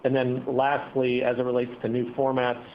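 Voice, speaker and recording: A man's voice: mid-range voice, completely flat delivery, normal speed. Man on a dull, noisy conference call. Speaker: company executive. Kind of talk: earnings call answers to analysts.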